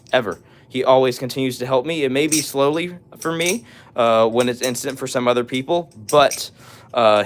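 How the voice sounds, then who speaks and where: A raspy young man hosting a live stream, reading viewer messages aloud and answering them in casual talk with lots of "all right" and "uh". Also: mid-range voice, a little hiss or hum. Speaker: livestream host.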